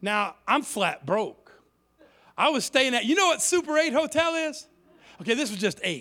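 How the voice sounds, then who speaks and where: An animated, raised and projected voice at a moderate pace, with very wide pitch swings and long, frequent pauses. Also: man, extremely high pitch for a man. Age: 50s. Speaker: guest preacher. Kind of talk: sermon. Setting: church.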